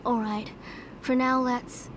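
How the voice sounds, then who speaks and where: A woman playing a kindly, tired mother and auntie in a video game, speaking gently and hospitably. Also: a little high, flat delivery, takes it slowly, noisy background. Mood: warm welcome. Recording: game music behind the voice.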